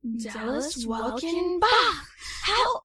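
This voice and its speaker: A woman's voice: high voice, big pitch swings, bright, forceful tone, distant mic, full character voice. A woman playing a menacing, outraged female spirit in an audio drama, drawing out her accusations. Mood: menacing outrage. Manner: slow, drawn-out accusations by full name.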